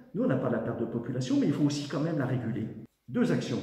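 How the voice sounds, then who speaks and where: Audible room echo around a man talking at medium pitch, with ordinary pitch variation. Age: 60s. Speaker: mayor. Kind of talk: interview. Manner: hesitant, many filler sounds.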